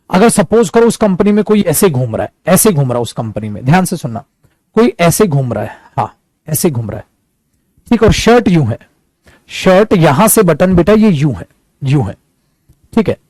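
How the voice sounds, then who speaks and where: A man's voice: fairly high pitch, sing-song, moderate pace, darkish tone, dry recording. A man teaching an online English lesson in a chatty way, calling his students "beta" and acting out examples. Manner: acts out examples.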